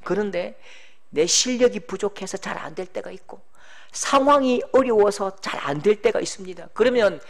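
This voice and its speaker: A middle-aged pastor preaching a sermon, animated, acting out quoted voices and shouting for emphasis. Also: male voice, high-pitched, moderate pace, gravelly.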